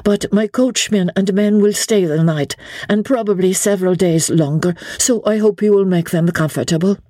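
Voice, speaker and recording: A woman performing a gracious, resolute young noblewoman, raspy-edged. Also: medium pitch, moderate pace, dark tone, no echo, studio quality, pitched above the performer's own voice, natural voice. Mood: composed, urgent. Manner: polite, commanding. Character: aristocratic young lady, gracious but anxious and resolute.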